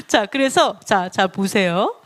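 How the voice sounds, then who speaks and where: A woman giving a lively, playful Bible lesson who laughs often and keeps asking her listeners questions. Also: mid-range voice, slow. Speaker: Bible teacher.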